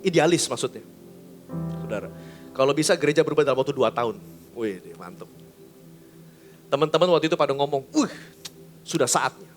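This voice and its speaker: A man preaching a sermon as a pastor, talking in a lively, colloquial way with big swings in pitch and loudness. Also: fairly quick, long pauses, soft background music. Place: church service.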